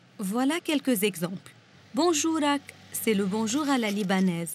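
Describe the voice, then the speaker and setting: The woman's pitch swings very widely. Her pace is fairly slow. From Lebanon. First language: Arabic (speaking French). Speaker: essayist presenting a segment. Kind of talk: scripted narration.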